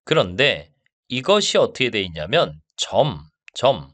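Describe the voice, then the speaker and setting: Man teaching math, lively pitch. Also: no room sound. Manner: slow and stressed on key terms, asks checking questions. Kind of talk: lecture.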